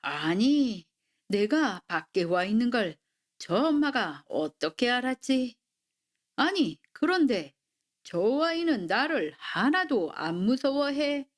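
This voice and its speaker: A woman voicing a hungry, blustering tiger that is easily startled, growling slowly in a bedtime story. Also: fairly high pitch, big pitch swings. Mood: puzzled alarm. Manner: slow storybook growling, roars "eoheung".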